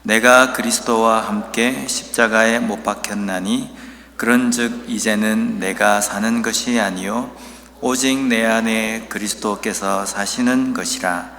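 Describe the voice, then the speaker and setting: Low-voiced pastor with a Busan accent. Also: male voice, fairly even intonation, pushed and bright, big-room sound. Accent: Busan dialect. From Busan, South Korea. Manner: storytelling, earnest and measured, with slow emphatic scripture reading. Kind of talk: sermon.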